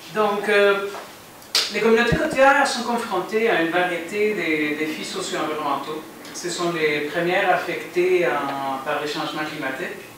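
A high-pitched man talks at a fairly slow pace with lively intonation. Noticeable background noise and audible room echo surround him. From Peru. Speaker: environmental project manager and graduate student. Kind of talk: academic seminar presentation. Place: classroom. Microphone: camera far.

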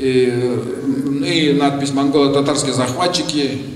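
Amid audible room echo, a man talks at a moderate pace with monotone, flat intonation. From Ufa, Bashkortostan. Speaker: author. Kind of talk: lecture. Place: hall. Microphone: handheld.

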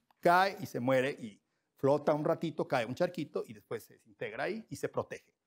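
At a moderate pace over a quiet background, the voice makes big swings in loudness. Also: man, fairly high pitch for a man. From Yucatán, southeast Mexico. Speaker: dentist and archaeologist, lecturer; lecturer. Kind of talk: lecture. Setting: university lecture hall with audience. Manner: halting, many repeated fillers. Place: hall.

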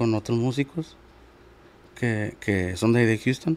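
This man talks at a fairly slow pace in a medium pitch. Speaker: band musician; interview guest. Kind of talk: casual interview chat. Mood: relaxed, conversational. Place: studio. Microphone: studio mic.

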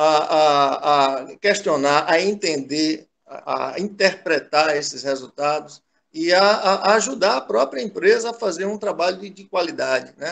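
A man at a high pitch and a fairly slow pace, with ordinary pitch variation and big swings in loudness. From Bahia, Brazil. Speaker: retired occupational hygienist; speaker. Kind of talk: panel discussion. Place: home room. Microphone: video call.

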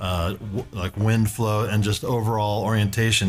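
A man with an American accent speaks in a fairly low pitch at a moderate pace, his intonation monotone and flat, with light background noise. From west side of Los Angeles. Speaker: real estate developer. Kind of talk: radio interview. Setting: remote broadcast from a Malibu estate.

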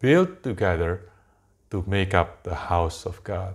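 The pace is very slow. Behind the voice, the background is quiet. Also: man. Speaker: pastor. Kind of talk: sermon. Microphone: lapel.

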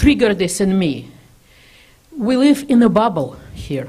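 A woman with an Eastern European accent, speaking at a fairly slow pace. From Ukraine. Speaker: audience member. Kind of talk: audience question. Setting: stage with audience.

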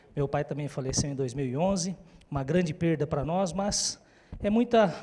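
This man has a dark, mellow tone and a high pitch, speaking at a moderate pace. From Brazil, Jaú (São Paulo state); São Paulo state, Brazil. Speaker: bar association head; honoree giving thanks at a council session. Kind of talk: ceremony speech. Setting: city council chamber. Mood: grateful, heartfelt. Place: hall. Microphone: handheld.

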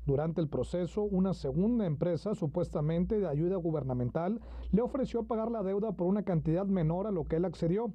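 The talking runs at a fairly quick pace with hardly any pauses. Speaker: news reporter. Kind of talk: TV news report narration.

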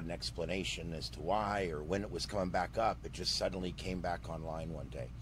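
Very deep, low male voice with vocal fry and very wide pitch swings, dry with no echo, over light background noise. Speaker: amateur radio operator. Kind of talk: commentary. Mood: frustrated, sardonic. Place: home room.

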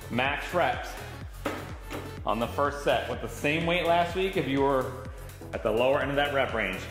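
A man at a fairly slow pace with ordinary pitch variation, with audible room echo and clear music in the background. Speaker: fitness coach. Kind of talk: workout tutorial. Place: gym. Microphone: earbuds.

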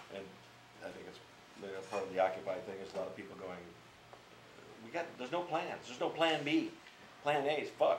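Speaking at a very fast pace in an animated tone, a man leaves long, frequent pauses and makes big swings in loudness, with audible room echo around him. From US Midwest, East Cleveland, Ohio. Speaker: comedian and mime performer. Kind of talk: interview in front of a live audience.

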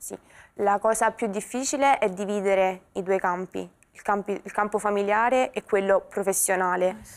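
A woman speaks at a moderate pace and medium pitch. Her intonation is fairly even. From Molise, Italy; Italy. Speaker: judo athlete; guest. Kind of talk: interview. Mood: earnest, reflective. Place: studio. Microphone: lapel.

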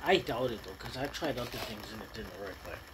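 A man's moderately paced speech competes with loud background noise. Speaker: vlogger. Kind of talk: casual vlog chat. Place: home room. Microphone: phone near.

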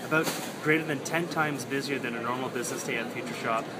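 The speech moves at a very fast pace. Loud background noise fills the recording. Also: man. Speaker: store spokesperson. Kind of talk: interview answer. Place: shop. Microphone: phone near.

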